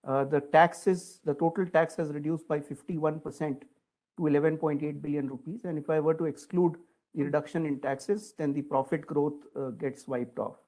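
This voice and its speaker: A man's voice: on the high side, fairly even intonation, normal speed, warm tone, low-quality recording. A man asking detailed questions as an analyst on an earnings call, polite and hesitant.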